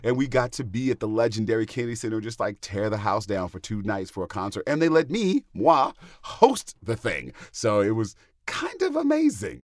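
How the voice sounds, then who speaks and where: A man with a low voice talks in casual podcast chat. His pitch swings widely, and he laughs loudly and often. The sound is dry and close. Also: big pitch swings, normal speed, no room sound. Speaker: podcast co-host.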